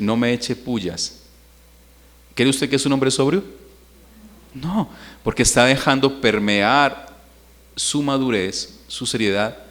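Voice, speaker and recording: A man's voice: medium pitch, fairly bright tone. Man preaching to his congregation. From Colombia. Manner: conversational preaching, asks the congregation questions. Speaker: pastor. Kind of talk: sermon. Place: church.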